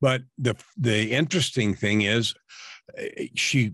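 Against a quiet background, a man with a medium pitch talks at a very slow pace, somewhat breathy. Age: 50s. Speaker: author and speaker. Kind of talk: interview.

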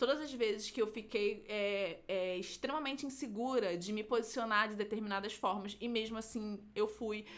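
Here is a woman with an unremarkable speaking voice and a fairly high pitch. She keeps a moderate pace and fairly even intonation, with hardly any pauses. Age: 30s. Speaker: podcast co-host. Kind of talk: casual chat.

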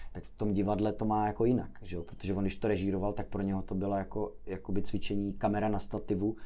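A man with a dark, mellow tone and fairly low pitch talks at a very fast pace with hardly any pauses, in a monotone, flat intonation. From South Moravia, Czechia. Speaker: actor. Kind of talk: casual chat.

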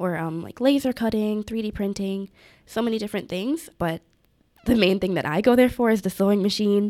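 A woman with an American accent speaks in a normal speaking voice at a moderate pace, with a medium pitch and ordinary pitch variation, in a very clean recording with a silent background. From New York, Westchester (Mount Vernon). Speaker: college student. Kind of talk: casual chat.

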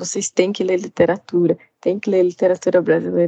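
A woman talks in an ordinary speaking voice. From São Paulo, Brazil. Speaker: literature content creator. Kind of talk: interview.

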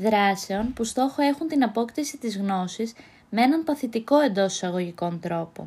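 A woman's fairly high, dark and mellow voice with lively intonation at a moderate pace, on a very clean recording with a silent background. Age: 20s. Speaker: law student and student association officer. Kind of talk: recorded audio message. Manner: formal.

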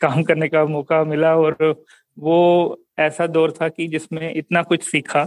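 In a dry, close sound with no echo, a man speaks at a fairly high pitch with monotone, flat intonation. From Delhi, India. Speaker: film critic. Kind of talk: interview. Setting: remote call with people around.

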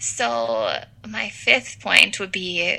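A woman speaks with noticeable background noise. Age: 20s. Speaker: podcaster and young mother. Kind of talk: casual interview.

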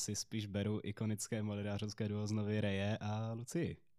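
A man with a plain, everyday voice and fairly low pitch, at a fairly quick pace, on a very clean recording with a silent background. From Brno, Czechia. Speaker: student. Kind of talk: casual chat.

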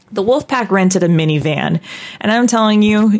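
An animated woman with an American accent at a moderate pace. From US Pacific Northwest, Washington. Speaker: fishing guide and podcast host. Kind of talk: solo podcast monologue.

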